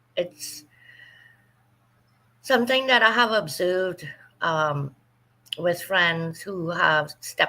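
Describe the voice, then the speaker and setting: A woman with a Trinidadian accent speaks at a fairly slow pace in a bright, sharp tone, her intonation lively. The recording is very clean, with a silent background. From Trinidad and Tobago. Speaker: interview host. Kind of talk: livestream interview intro. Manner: animated.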